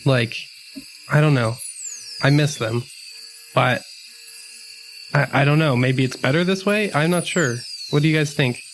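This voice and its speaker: A man's voice: fairly high pitch, measured pace, pauses often, a little hiss or hum. A man playing a tabletop game with friends, talking casually in character in a hesitant, rambling, slangy way. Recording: music playing under the voice.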